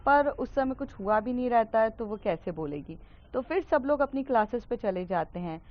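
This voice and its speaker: A woman narrating a story casually, chatty and loose, with frequent filler pauses and English words mixed in. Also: fairly high pitch, lively intonation, lo-fi sound.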